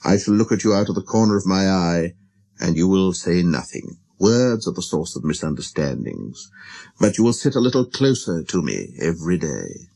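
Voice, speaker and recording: A man voicing a lonely, gentle wild fox in a storybook, speaking slowly and earnestly with hesitant pauses. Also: deep voice, big pitch swings, creaky, husky, pitched below the performer's own voice, full character voice. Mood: patient, instructing. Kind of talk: storybook character reading.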